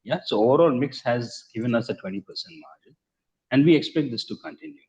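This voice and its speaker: An Indian man answering investor questions as a company executive on an earnings call, in measured, hesitant phrasing with repeated words. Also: mid-range voice, animated, darkish tone, husky. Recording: muffled conference call audio.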